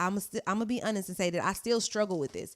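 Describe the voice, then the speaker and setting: An American-accented woman sounds animated in a very clean recording with a silent background. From Texas, Oak Cliff (Dallas). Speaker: podcast host. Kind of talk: casual faith-based podcast monologue. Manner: animated, repeats and restarts words.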